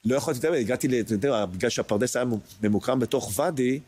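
A man's voice: medium pitch, expressive, darkish tone, slightly rough. Older man giving hesitant testimony. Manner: hesitant, searching for words, many pauses. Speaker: interview guest. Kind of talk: emotional personal testimony.

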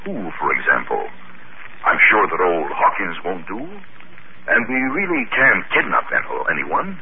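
Scheming mad scientist, lowish voice with lively rise and fall, tinny noisy old radio drama. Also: male voice, moderate pace. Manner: cold, smooth, persuasive. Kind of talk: 1950s radio drama acting.

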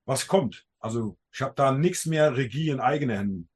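A man's voice: mid-range voice, lively intonation, moderate pace, a little mellow, breathy edge. A man from the Netherlands with a Dutch accent, a native Dutch speaker hosting a podcast in casual talk, searching for words with small grammar slips. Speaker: podcast host.

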